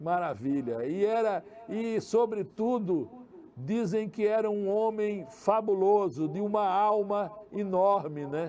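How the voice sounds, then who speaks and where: Speaking at a very slow pace, a man uses a high pitch with ordinary variation. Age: 60s. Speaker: tv interviewer. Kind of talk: interview.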